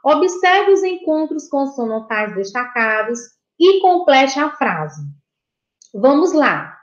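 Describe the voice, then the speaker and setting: A woman's voice: high voice, big pitch swings, slow pace. A Brazilian Portuguese woman teaching a recorded lesson to young children, patient and encouraging, repeating each point and praising answers. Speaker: primary school teacher. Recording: dull, echoey room.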